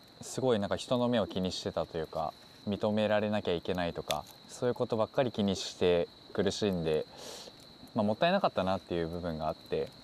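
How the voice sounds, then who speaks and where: A man talks very fast at a fairly low pitch. The sound is dry with no echo, and there is light background noise. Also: ordinary pitch variation. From Niigata, Japan; Japan. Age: 20s. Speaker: campsite manager, rural migrant. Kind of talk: interview. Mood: reflective, gently smiling.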